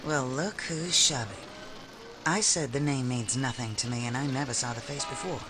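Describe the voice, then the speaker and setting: A man's voice: medium pitch, moderate pace, music in the background, natural voice, low-quality recording. A man voicing a brassy, sarcastic small-business owner in 1940s radio drama style, snappy and brusque. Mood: hostile, dismissive. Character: brassy, tough, sarcastic secretarial service owner Connie.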